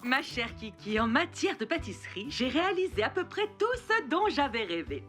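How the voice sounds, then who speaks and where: A folksy country pastry chef, high and lively, full of homely turns of phrase. Faint music sits behind her. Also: normal speed. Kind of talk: French cartoon dubbing.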